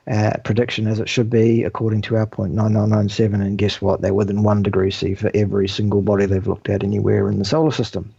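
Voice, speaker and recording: A man's voice: on the low side, gravelly, warm tone, husky. A man talks over a remote call with a wry, teasing manner, sometimes speaking straight to his viewers. His voice sits on the darker side, and the line sounds muffled and lo-fi. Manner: wry, teasing, addresses viewers as boys and girls. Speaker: guest. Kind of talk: casual video-call chat.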